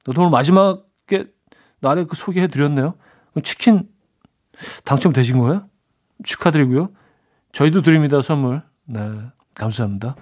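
A man's voice: fairly high pitch, moderate pace, pauses often, a little mellow. A man hosting a radio music show, chatting in a friendly way and reading out listener messages. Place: radio studio.

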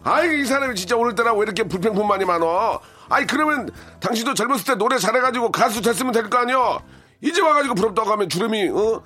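Man playing a gruff husband with a twang. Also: very high voice, lively intonation, quick pace, pushed and bright, faint music behind, full character voice. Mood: irritated. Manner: scolding, irritated, blunt. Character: gruff, grumbling middle-aged husband.

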